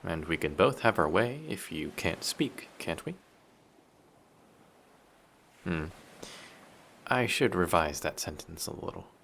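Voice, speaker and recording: A man voicing a flirty, possessive sea monster in human guise for an intimate roleplay audio drama, measured and politely menacing. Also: low voice, animated, creaky, a bit bright, a little hiss or hum, heavily acted. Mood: calmly menacing.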